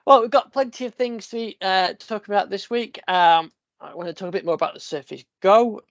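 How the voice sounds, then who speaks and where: A man's voice: sits high, brisk, no echo. Brief: man, podcast host fighting a cold, sniffly, rambling with fillers, dull dry lo-fi sound. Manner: rambling, many fillers and restarts. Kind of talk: casual tech podcast chat.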